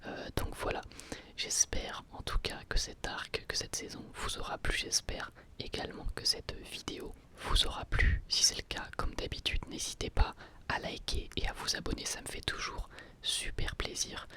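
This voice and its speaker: A person whispering in a breathy, unvoiced voice throughout, giving an ASMR-style review as a video host, thinking aloud in short, hesitant phrases. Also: normal speed, bright, forceful tone.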